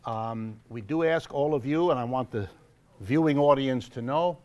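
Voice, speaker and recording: A man hosting a live event in a church hall, making announcements to the audience in a measured, wry way with frequent pauses and fillers. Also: mid-range voice, darkish tone. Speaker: host of a monthly lecture event.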